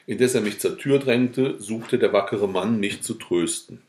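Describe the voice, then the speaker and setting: Man, low voice, dramatic audiobook reading, theatrical, roomy echo. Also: measured pace. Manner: theatrical, swings from hushed to loud outbursts. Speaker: audiobook reader.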